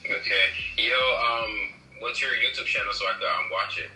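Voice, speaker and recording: A man in a casual chat with a very sharp, bright voice on the low side. He sounds distant and echoey, as through a video-chat speaker. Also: fairly even intonation, moderate pace. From Paterson, New Jersey.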